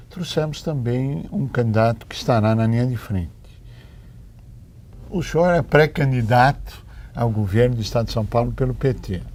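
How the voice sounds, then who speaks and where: A man's voice: medium pitch, darkish tone, slight background noise. A male interview host who frames long questions and adds brief affirming interjections.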